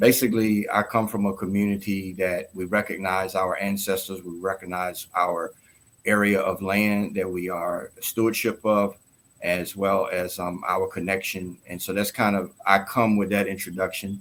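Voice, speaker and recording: A man talks in a Southern US accent at a fairly low pitch. His pace is moderate and his intonation flat and monotone. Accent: Southern US accent, still noticeable. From US South, North Carolina. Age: 40s. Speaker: actor and writer. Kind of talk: interview. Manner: hesitant, many filler words.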